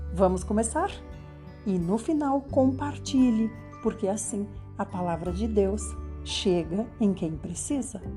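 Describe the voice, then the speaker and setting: Over music in the background, a woman talks at a very slow pace in a warm tone, with long, frequent pauses. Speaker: Bible reader / audio Bible narrator. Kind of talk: casual welcome and intro to listeners. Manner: warm, friendly.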